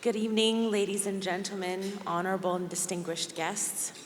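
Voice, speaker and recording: A woman reading an acceptance speech on someone else's behalf in a measured, formal way. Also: medium pitch, fairly even intonation. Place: banquet hall. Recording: echoey hall with long reverb.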